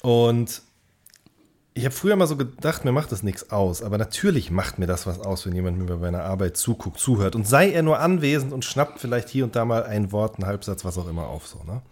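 He's a podcast co-host with a lowish, slightly mellow voice, lively intonation and a somewhat fast pace. In relaxed conversation he gets wordy, loops around his main idea, and keeps rewording himself mid-thought.

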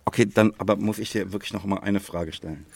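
A man co-hosting a podcast in casual chat, thinking aloud in a deliberate way. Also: low voice, creaky. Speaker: podcast co-host.

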